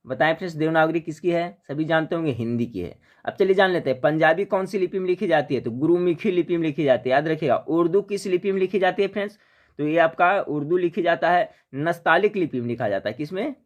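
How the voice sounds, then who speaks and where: A man runs through practice questions for an exam. He poses each question, pauses for a guess, then gives the answer. He keeps telling listeners to remember and calls them friends. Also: on the high side. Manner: addresses viewers as friends, repeats "remember", asks then answers. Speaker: exam prep teacher. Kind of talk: quiz-style Hindi grammar lesson.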